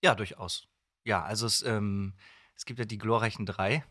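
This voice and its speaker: A man's voice: fairly low pitch, fairly even intonation, moderate pace, sharp tone, dry recording, clean studio sound. A young man chatting casually as a podcast guest, modest and easygoing. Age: young adult. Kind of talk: casual interview chat.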